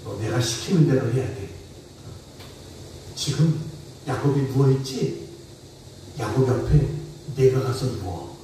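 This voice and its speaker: A man, a pastor, voicing a scheming old father who gives low, stern commands. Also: takes it slowly, pauses often, dark tone, slight background noise, natural voice. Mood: commanding. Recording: echoey church hall from far off.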